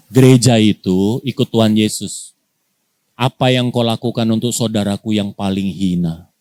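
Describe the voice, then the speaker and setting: A man's voice: lowish voice, a little mellow, no echo. A male pastor from Indonesia preaching a sermon, firing rhetorical questions at the congregation and dropping into casual slang. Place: church.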